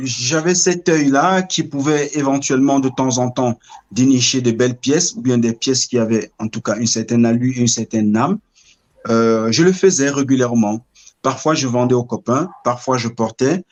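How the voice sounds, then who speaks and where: A middle-aged man from Cameroon speaks as an interview guest, at an ordinary male pitch. He tells his story slowly and reflectively, weighing his words and often pausing to find the right one. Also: a little mellow. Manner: measured, searching for words.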